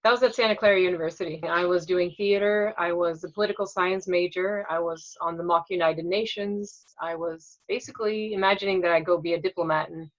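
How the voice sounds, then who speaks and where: A woman's voice: fairly low pitch, fairly even intonation, a little fast, hardly any pauses, dull audio. A woman who grew up in Sweden, telling her life story candidly and reflectively in a documentary interview.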